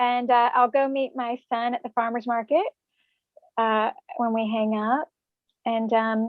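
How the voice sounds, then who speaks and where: A soft-spoken woman's high voice, fairly even in intonation, with long, frequent pauses. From US South, North Carolina. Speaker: journalist and writer. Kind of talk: interview conversation.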